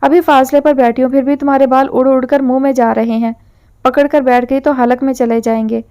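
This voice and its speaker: A woman's voice: high voice, flat delivery, mellow, smooth. A woman voicing a stubborn young university woman who pouts and argues, in a novel reading. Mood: shouting. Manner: pouting and argumentative.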